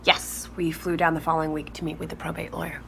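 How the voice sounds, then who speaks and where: An actress playing a grown daughter in an audio drama, giving a measured, detailed account as if in a podcast interview. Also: female voice, sits low, level tone, vocal fry, a little hiss or hum. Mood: reflective, matter-of-fact. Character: matter-of-fact grown daughter recalling a relative's eerie house.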